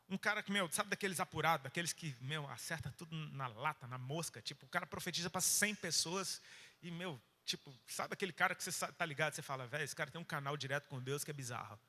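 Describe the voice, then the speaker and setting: Bright-voiced Brazilian preacher in a hall. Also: male voice, high-pitched, a little fast. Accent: Brazilian Portuguese. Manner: colloquial storytelling with slang, dynamic swings from loud to hushed. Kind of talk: sermon. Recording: reverberant hall.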